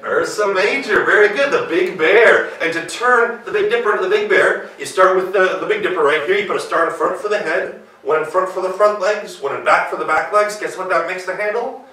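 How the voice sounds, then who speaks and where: An American male storyteller with a high, bright voice tells a tale to a live audience. He is playful and conversational, heard slightly at a distance in a very echoey room. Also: brisk, hardly any pauses. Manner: playful, asks the listeners questions. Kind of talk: live folktale telling to an audience. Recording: roomy live hall, distant mic.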